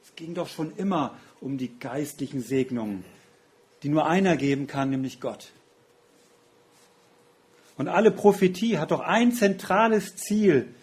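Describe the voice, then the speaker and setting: A man's voice: fairly high pitch, a little mellow. A man preaching a sermon in an earnest, reflective way, often asking rhetorical questions.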